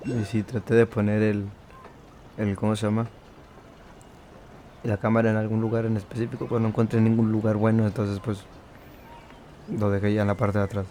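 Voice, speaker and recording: Low-voiced man, quick casual commentary. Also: little pitch movement, dark tone, slight background noise. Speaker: game streamer. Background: game music.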